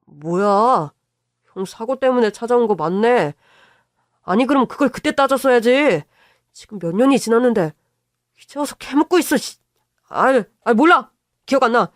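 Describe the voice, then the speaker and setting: A rude, hot-tempered brother-in-law who snaps back and dodges every question in a radio story, as a woman reads him. The voice sits a bit high and sounds dry and close. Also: expressive, normal speed, pauses often, no room sound, close to an everyday voice. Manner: rude, snapping, defensive.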